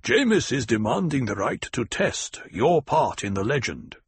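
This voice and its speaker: A man voicing a grave desert tribal leader, speaking low, slow and measured. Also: big pitch swings, breathy edge, dry recording.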